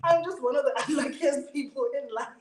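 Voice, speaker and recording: A woman's voice: sits high, fairly quick, darkish tone. A South African woman co-hosting a podcast, chatting in playful, laughing banter. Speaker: podcast co-host. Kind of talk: casual podcast chat.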